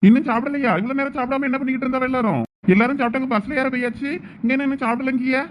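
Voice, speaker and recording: A man playing a tour group organiser in a village comedy skit. He talks briskly and bossily to the group, then gently reassures a woman. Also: extremely high pitch, steady tone. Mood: hurried.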